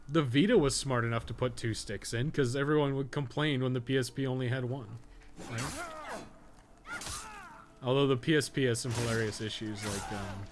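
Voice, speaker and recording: A man's voice: medium pitch, steady tone, moderate pace. Rambling man over background noise. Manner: rambling, thinking aloud, casually profane. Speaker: game streamer and podcast co-host. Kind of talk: casual live gameplay commentary.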